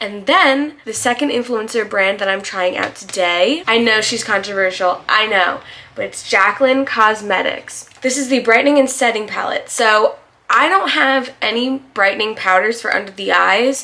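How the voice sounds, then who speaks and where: A woman with a fairly high pitch talks at a moderate pace, her pitch varying in an ordinary way, while noticeable background noise runs beneath. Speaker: beauty vlogger. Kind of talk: makeup tutorial chat.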